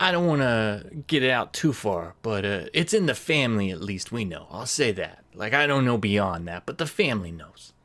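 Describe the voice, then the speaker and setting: A man's put-on character voice at medium pitch and moderate pace, in a very clean recording with a silent background. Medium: actual play. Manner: earnest, folksy.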